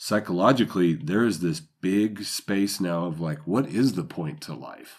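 This man speaks with a very deep, low pitch. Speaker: podcast host. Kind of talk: casual podcast talk.

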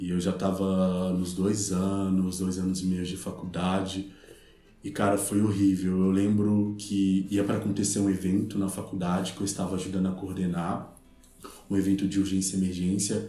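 A man with a very deep, low, dark and mellow voice speaks at a moderate pace in a monotone, flat intonation, with audible room echo. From Brazil, Minas Gerais (Contagem). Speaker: coffee specialist. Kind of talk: interview.

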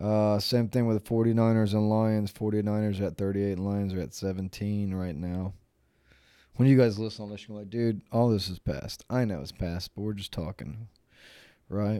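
On a very clean recording with a silent background, a man with an American accent speaks at a moderate pace in a fairly low, dark, mellow tone, his intonation fairly even but his loudness swinging widely. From North Carolina. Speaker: solo podcaster. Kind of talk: casual monologue. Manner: rambling with many fillers; loud, ranting at end.

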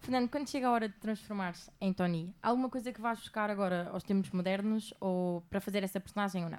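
A woman at medium pitch with ordinary pitch variation, a very fast pace and hardly any pauses. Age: young. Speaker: podcast host. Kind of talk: casual chat.

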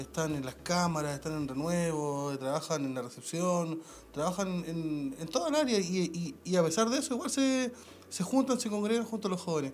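This man has a high-pitched voice and lively intonation. He talks at a moderate pace. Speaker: church youth leader. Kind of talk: testimony.

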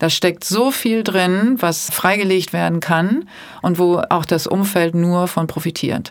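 A woman speaks very slowly at a fairly low pitch. Her loudness stays very even throughout. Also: ordinary pitch variation. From Hamburg, northern Germany. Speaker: podcast host and body language coach. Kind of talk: casual interview. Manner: laughs often.

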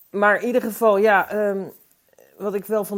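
An unremarkable speaking voice, a woman's, mid-range in pitch and moderate in speed. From Netherlands. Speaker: audience member. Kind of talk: casual chat.

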